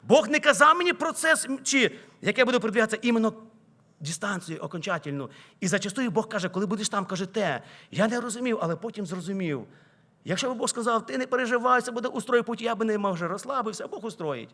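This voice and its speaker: A man with a Ukrainian accent preaching a sermon, telling a personal story and building to loud exclamations. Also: sits high, expressive, fast talker. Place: church sanctuary.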